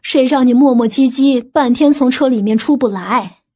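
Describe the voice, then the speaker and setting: A woman voicing an authoritative, practical aunt in an audiobook drama, giving brisk instructions. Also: high-pitched, darkish tone. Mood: chiding.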